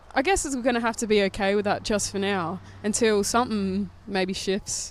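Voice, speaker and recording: Talking at a moderate pace in an Australian accent, a woman uses a medium pitch with ordinary pitch variation. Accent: mild Australian. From Australia, Perth. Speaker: hip hop artist. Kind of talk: casual interview chat. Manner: hesitant, many fillers.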